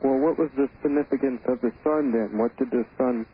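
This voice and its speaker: A man from Arizona calling in to a radio show over the phone, asking his question in quick bursts. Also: medium pitch, breathy edge. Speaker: caller. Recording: muffled, distant phone line.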